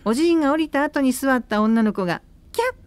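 Lively woman co-host with Kansai accent. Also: high voice, fast talker, no echo. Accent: Kansai Japanese. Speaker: radio co-host reading listener letters. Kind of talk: casual chat and letter reading. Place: radio studio.

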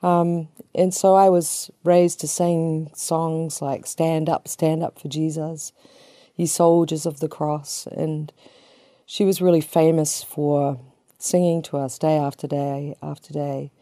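A psychotherapist from New Zealand, in her fifties, introduces herself slowly in a low-pitched, mellow voice with flat delivery and no echo. She is a guest in a small studio, and her relaxed talk is chatty and self-deprecating.

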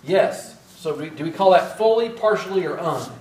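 A man's voice: fairly high pitch, expressive, moderate pace, a little mellow. A middle-aged man teaching at a whiteboard through a face mask, casual and self-deprecating, quizzing his students as he goes. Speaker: respiratory therapy instructor. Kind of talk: classroom whiteboard lecture. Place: large classroom with whiteboard. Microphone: far camera. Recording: echoey room from far off.

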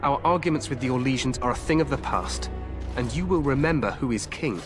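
A man's voice: mid-range voice, lively intonation, brisk, music in the background, natural voice. An actor playing a proud, eager young king in a fantasy game, with a regal, grandiose manner. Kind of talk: fantasy video game acting.

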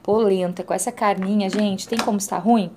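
A woman's voice: medium pitch, fairly even intonation, brisk, background noise. A woman, chatting casually to her phone camera while cooking and cleaning in her home kitchen, full of tag questions and fond diminutives. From southern Brazil. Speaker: home vlogger. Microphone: handheld phone camera.

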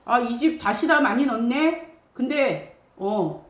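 A woman's voice: fairly high pitch, animated. A woman streaming a mukbang, chatting casually while chewing with her hand over her mouth. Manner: slow, chatty, talking with food in mouth. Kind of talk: casual live-stream chat while eating. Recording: echoey room.

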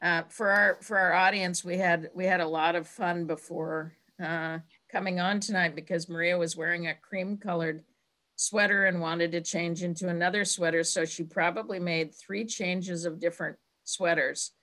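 A woman's voice: fairly low pitch, fairly even intonation, moderate pace, sharp tone. An older woman hosting a casual interview over a video call from her home, speaking in an effusive, praising manner. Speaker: host. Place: home room with bookshelves.

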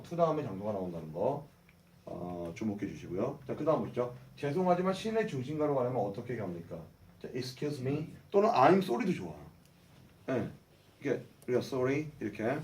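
A man's voice: mid-range voice, darkish tone. A middle-aged man teaching English phrases to a class, drilling them and having the group repeat. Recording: roomy echo, mic at a distance.

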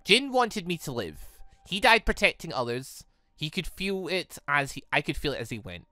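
A bitter young woman from a fantasy visual novel, acted out by a man. The delivery is cold, guarded and measured, with a bright edge and a dry, close sound. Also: on the high side, very animated, dry recording. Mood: resolute, grave.

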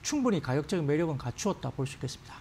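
A man in his thirties, a stock market analyst giving rapid commentary in a TV studio, with many fillers. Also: fairly high pitch, big pitch swings, darkish tone, slight background noise. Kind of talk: market commentary on TV finance show. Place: TV news studio.

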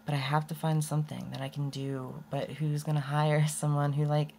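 Low, gravelly-voiced young woman vlogging. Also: flat delivery, normal speed, warm tone, a little hiss or hum. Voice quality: voice often goes hoarse. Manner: rambling and candid, with many restarts and laughs. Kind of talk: casual unedited vlog talk.

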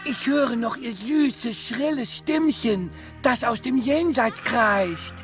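A man's voice: very high voice, slow, fairly bright tone, soft background music, exaggerated voice. An actor playing a clumsy, silly male sloth in an audio drama, whiny and over the top. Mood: wailing.

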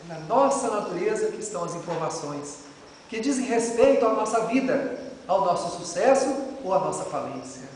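High-voiced Brazilian man lecturing in echoey room. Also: big pitch swings, normal speed, a little mellow. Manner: dramatic, emphatic, rhetorical. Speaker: lecturer at a Spiritist center. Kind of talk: religious lecture. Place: indoor lecture room with a chalkboard. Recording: very echoey, noisy hall, distant mic.

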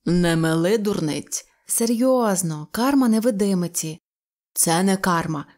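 A woman voicing a kindly, teasing older shopkeeper in an audio fairy tale, speaking slowly. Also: mid-range voice, expressive, darkish tone, natural voice.

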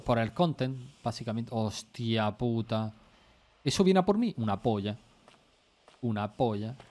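A man from Spain with a Spain Spanish accent, chatting casually with viewers while he plays, rambling, swearing freely and breaking into excited outbursts. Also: mid-range voice. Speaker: gaming streamer. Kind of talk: casual gameplay chat with viewers.

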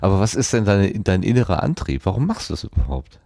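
Deep, mellow male podcast host. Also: sing-song, quick pace, creaky, dry recording, studio quality. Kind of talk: casual interview questions.

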